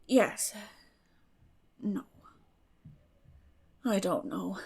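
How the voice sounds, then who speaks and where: A woman's voice: medium pitch, drawn-out words, creaky, darkish tone, slightly rough, exaggerated voice. A woman voicing a weary, bitter older farm woman in an audiobook, speaking in plain rural phrases with sad resignation. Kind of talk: dramatic audiobook reading.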